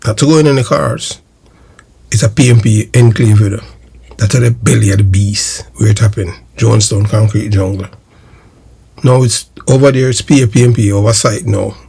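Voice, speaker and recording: A man's voice: on the low side, steady tone, normal speed, gravelly, mellow, breathy edge. A Jamaican man delivering emphatic political commentary to his viewers in a declamatory way, repeating phrases for emphasis. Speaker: host of a political history video channel.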